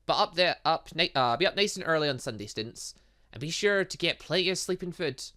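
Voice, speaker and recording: A man's voice: on the high side, animated, brisk, sharp tone. A man voicing a playful, evasive teacher from a visual novel game, teasing and theatrical as he reads the dialogue. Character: playful, evasive teacher fond of their students.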